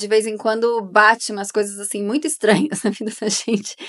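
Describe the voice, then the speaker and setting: Flat, monotone intonation marks this woman's medium-pitched voice. She keeps a moderate pace over a quiet background. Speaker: podcast co-host. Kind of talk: casual chat.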